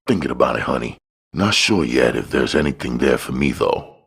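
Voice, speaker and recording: A man's voice: extremely low pitch, expressive, a little fast, gravelly, full character voice. A man voicing a cool, guarded young street hustler with laid-back, slangy talk in a crime audiobook. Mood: cool, casual.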